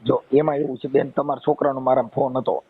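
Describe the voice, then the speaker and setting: A man's voice: mid-range voice, flat delivery, quick pace, husky. A man with a Kathiawadi Gujarati accent explaining things in a conciliatory way in an informal phone conversation. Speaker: host taking calls for a recorded-call channel. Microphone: phone line. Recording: muffled lo-fi phone call.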